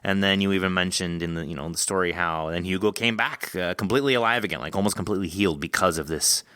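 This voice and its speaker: Low-pitched, bright-voiced male podcast host. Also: fast, no echo, clean studio sound. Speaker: podcast host interviewing an author. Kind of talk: casual discussion of fiction.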